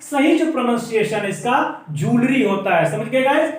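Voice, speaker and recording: Brief: male language teacher with a very high voice, patient explainer, recorded from a distance. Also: lively intonation. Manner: explains patiently, repeats words slowly for dictation. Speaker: English teacher. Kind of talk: classroom-style language lesson. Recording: very echoey room, voice off-mic.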